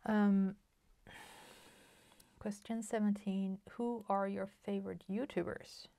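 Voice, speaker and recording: A Swedish woman in her forties with a Swedish accent, chatting softly at her craft table with many fillers and half-whispered asides. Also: medium pitch, little pitch movement, slow, vocal fry, dry recording. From Sweden. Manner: soft-spoken, slips into whispers, many fillers. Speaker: crafting channel host. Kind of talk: casual chat while crafting. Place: home craft table, indoors.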